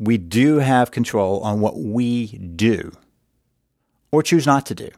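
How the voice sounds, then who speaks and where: This is an ordinary speaking voice with lively intonation. The recording is very clean, the background silent. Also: man. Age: 50s. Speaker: marriage coach podcast host. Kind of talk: solo podcast talk. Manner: casual with filler words.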